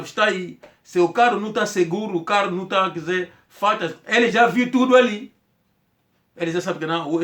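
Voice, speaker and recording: Man, slightly high voice, casual rambling storyteller who repeats himself and acts out what people said. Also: fairly bright tone. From Angola. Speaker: commentator telling a personal story.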